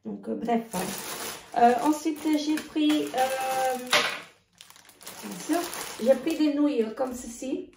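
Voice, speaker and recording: Hesitant woman, gravelly voice. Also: sits high, far from the mic, background noise. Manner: hesitant, many filler sounds, halting restarts. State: losing her voice. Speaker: vlogger. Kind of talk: casual grocery haul vlog. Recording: echoey room, voice off-mic.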